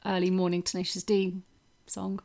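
A woman's voice: lowish voice, completely flat delivery, moderate pace, creaky, dark tone. A woman co-hosting a casual podcast with her husband, teasing him dryly and laughing often. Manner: dry teasing, frequent laughter. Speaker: podcast co-host. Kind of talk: casual banter.

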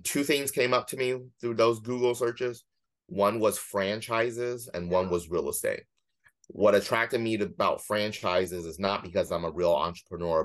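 A man in his thirties casually recounting his own life and career in a matter-of-fact way, with dry self-deprecation. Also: sits low. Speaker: guest, former corporate lawyer. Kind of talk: casual autobiographical storytelling.

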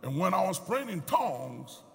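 A man's voice: high voice, very animated, normal speed, gravelly, long reverb tail. A man preaching a sermon, telling stories with emphasis as he teaches.

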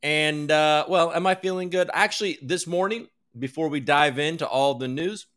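His voice sits on the high side and is fairly bright, moving at a normal speed. He hosts a crypto news livestream, chatting loosely in a rambling, self-mocking way and cursing freely.

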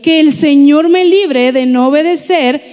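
A woman's voice: high voice, unhurried, darkish tone, long reverb tail. A young woman tells a personal faith story in a chatty, confiding way, often tagging her sentences with questions. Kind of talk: Christian devotional talk with personal story.

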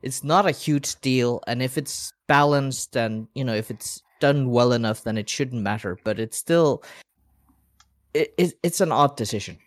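A man in a casual podcast chat rambles through his points with many restarts and fillers. His voice sits at a middle pitch. The sound is dry and close. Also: unhurried, dry recording.

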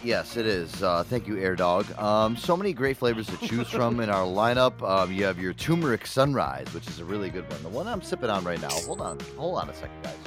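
A man with a lowish voice talks fairly quickly with big swings in pitch and few pauses, music playing underneath. He hosts a casual radio-style talk show, reading sponsor ads and laughing often as he bosses his co-host around in a brash, joking way.

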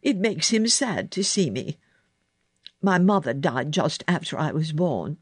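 A woman's voice: deep voice, expressive, a little slow, husky, no echo, clean studio sound, heavily acted. A woman voicing a sickly, spoiled ten-year-old boy, cross and demanding, in a storybook reading. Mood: cross, mournful. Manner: cross, demanding, self-pitying.

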